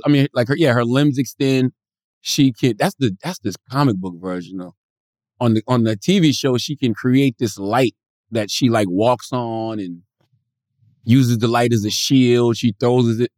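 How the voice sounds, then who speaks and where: A man co-hosting a podcast in casual chat, animated and slangy, often laughing. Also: medium pitch, no echo, studio quality. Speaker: podcast co-host.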